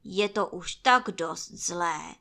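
A woman voicing a gloomy, self-pitying old male donkey who talks slowly and mournfully in a storybook reading. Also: fairly low pitch, creaky, pushed and bright. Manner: slow, sighing, self-pitying.

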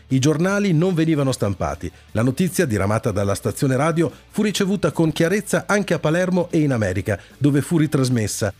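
A man's voice: on the high side, darkish tone. A man hosting a radio show, reading scripted historical-style narration in the manner of a presenter. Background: background music.

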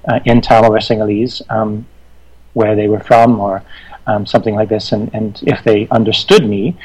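A man from Western Canada, talking reflectively in conversation, thoughtful and halting with many restarts. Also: fairly low pitch, steady tone, darkish tone, breathy edge, low-quality recording.

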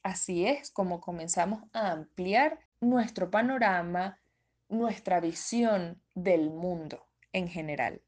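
A woman's voice: fairly low pitch, slow, darkish tone. A woman presenter explaining a topic in a methodical way, often restating her key terms. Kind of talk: explanatory talk.

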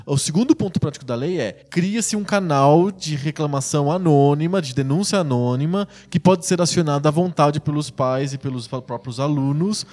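A man with a São Paulo accent co-hosting a casual discussion, talking in animated, sarcastic bursts. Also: fairly high pitch, moderate pace, hardly any pauses. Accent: São Paulo Portuguese.

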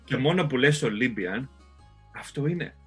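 A man's voice: medium pitch, animated, husky. A man co-hosting a casual podcast, joking around and hesitating with many fillers. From Greece. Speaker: podcast co-host. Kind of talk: casual chat. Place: living in the United States. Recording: faint music underneath.

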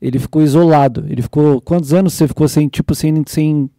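A man's voice: on the high side, quick pace, no echo, studio quality. A man hosting a casual faith podcast, telling a story with energy and acting out quotes. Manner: animated storytelling, acts out quotes. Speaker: podcast host.

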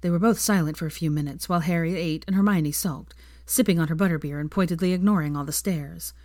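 A woman reading a fan fiction story aloud, narrating and voicing the characters with small shifts in pitch. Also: fast talker, a little mellow, no echo, studio quality.

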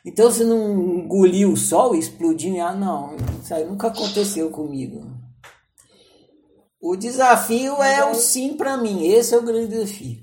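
A man, a spiritual teacher, telling a personal story in a lively, animated way, acting out his inner dialogue. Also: sits high, moderate pace, background noise. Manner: animated, acts out inner dialogue, frequent fillers. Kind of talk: storytelling talk.

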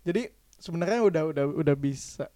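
A man co-hosting a casual chat, firing off eager, animated questions. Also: a little high, quick pace. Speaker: co-host.

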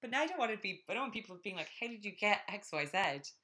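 A woman's voice: medium pitch, lively intonation, fast, bright, forceful tone. A young woman from Ireland co-hosting a podcast, chatting casually and rambling in a self-mocking way. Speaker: podcast co-host. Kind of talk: casual chat.

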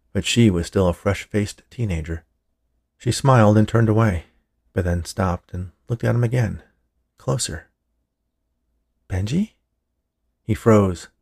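A man's voice: deep voice, creaky, a little mellow. A man narrating a scripted fiction story as a podcast storyteller. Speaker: writer, narrator and podcast host.

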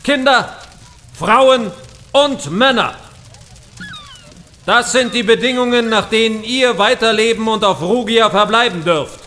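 Ein Schauspieler spielt in einem historischen Hörspiel einen strengen, siegreichen dänischen König, der feierlich und gebieterisch verkündet. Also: male voice, very high voice, unhurried, pauses often, sharp tone, full character voice. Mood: stern, proclaiming. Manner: solemn, declamatory, proclaiming. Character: victorious medieval Danish king, stern and commanding. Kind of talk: historical audio drama acting.

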